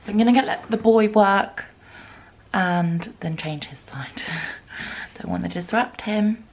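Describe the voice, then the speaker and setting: A woman's voice: medium pitch, takes it slowly, gravelly. A young woman, chatting casually to camera while doing chores around her bedroom and thinking aloud. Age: young adult. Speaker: vlogger. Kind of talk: casual vlog chat. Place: bedroom at home, indoors. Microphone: camera held at arm's length and set on furniture.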